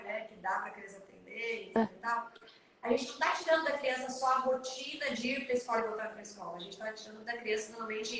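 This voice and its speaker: A woman in her thirties with a Brazilian accent, giving parenting advice live over a video call, fast and emphatic. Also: on the high side, a bit bright, heavy reverb, distant mic, slight background noise. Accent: Brazilian Portuguese. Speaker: parenting consultant.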